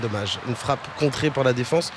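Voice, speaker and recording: A man's voice: medium pitch, moderate pace, a little hiss or hum. A man giving football match analysis, hesitant and full of fillers.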